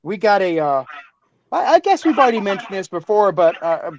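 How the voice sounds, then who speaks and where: A fairly high-voiced man talks in a loose, halting way, stumbling over his words and starting his sentences again. His voice comes through a dull, lo-fi remote line. A faint hiss sits behind it. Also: sing-song, darkish tone. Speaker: podcast co-creator. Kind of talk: casual group chat.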